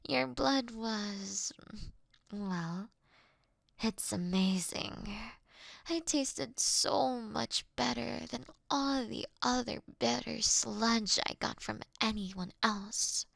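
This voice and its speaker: A woman's voice: on the high side, gravelly, dry recording, exaggerated voice. A woman playing a courteous, doting vampire in a scripted roleplay, speaking intimately and breathily, often slipping into a whisper. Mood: wistful, confiding. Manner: slow, intimate, gently theatrical. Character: female vampire, courteous, doting, wryly confessing to her sleeping prey. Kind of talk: scripted roleplay audio for one listener.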